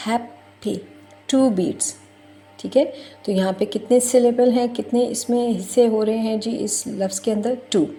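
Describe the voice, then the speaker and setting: A woman recording a lesson for primary teachers, repeating each word slowly and mixing English with Urdu. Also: mid-range voice, mellow. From Pakistan. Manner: slow and deliberate, repeats words and mixes English with Urdu.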